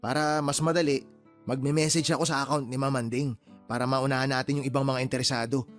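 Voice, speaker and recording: A man acting a playful, teasing younger friend in a radio drama, boastful and quick to joke. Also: medium pitch, flat delivery, fairly bright tone, faint music behind, close to an everyday voice. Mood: joking. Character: joking loyal younger male buddy, playful.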